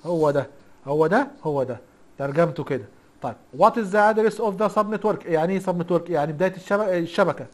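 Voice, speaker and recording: A man's voice: sits high, brisk. A man with an Egyptian accent teaching a casual recorded lesson, chatty and teasing, constantly quizzing the class with rhetorical questions. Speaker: IT instructor.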